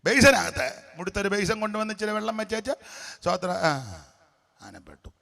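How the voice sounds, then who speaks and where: A male pastor preaching a lively, colloquial sermon, speaking straight to his listeners and repeating each verse after the reader. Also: high-pitched, brisk, creaky. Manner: animated, talks directly to listeners.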